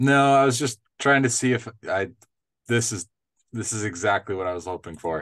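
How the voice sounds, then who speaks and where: With an American accent, a man speaks at a moderate pace with ordinary pitch variation, leaving long, frequent pauses against a quiet background. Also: medium pitch for a man. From US Midwest (Michigan). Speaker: pastor. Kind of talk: casual chat. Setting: video call.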